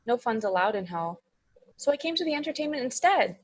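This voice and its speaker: A timid young demon from hell, acted by a woman, speaks in a fairly high, husky voice. The demon is hesitant, polite and apologetic, an insecure teen in a comedy script read. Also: very animated, brisk. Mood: earnest, eager.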